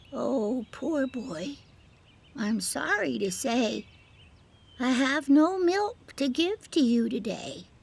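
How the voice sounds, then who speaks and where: A cartoonish character voice, female-sounding and high-pitched, moves at a very slow pace with long, frequent pauses. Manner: gentle, apologetic.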